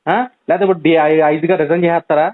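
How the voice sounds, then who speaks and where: A man's voice: a little high, little pitch movement, fast. A man on a phone call, urgently pleading and reasoning with a friend, with many restarts. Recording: tinny phone line recording.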